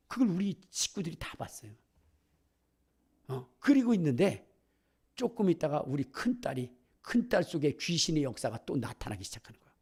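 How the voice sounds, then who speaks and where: A middle-aged man delivers a sermon, his voice somewhat husky and pitched a little high. His delivery swings widely in pitch, from quiet asides to loud proclamations. He acts out the voices of the people in his stories. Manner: animated storytelling, acting out voices, builds to shouts. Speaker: pastor.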